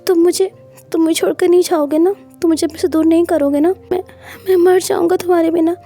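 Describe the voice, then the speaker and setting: A sobbing, stammering young husband, as a woman storyteller puts him on, high and pleading in a mellow tone. He begs and clings in a breathy, shaky voice. Soft music plays faintly behind this storybook reading. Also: steady tone, fast talker. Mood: crying. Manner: stammering, sobbing, whispery at times.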